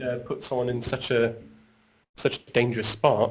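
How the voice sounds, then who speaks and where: Somewhat breathy, a man talks at a moderate pace with monotone, flat intonation. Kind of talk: casual interview chat. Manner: halting, many fillers and repetitions.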